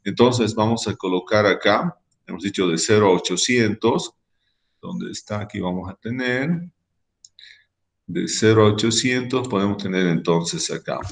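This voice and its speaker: A man with a somewhat low voice teaches statistics in a screen-recorded tutorial. He thinks aloud as he types, pausing on fillers and checking in with tag questions. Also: gravelly. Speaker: statistics instructor.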